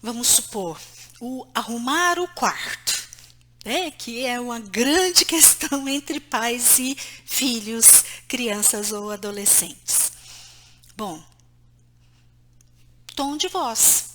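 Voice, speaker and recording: Slow, bright-voiced woman teaching. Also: a little high, lively intonation. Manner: explains slowly, pointing to places on a diagram; acts out short quoted lines between mother and child. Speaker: psychologist. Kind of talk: online lesson on parenting.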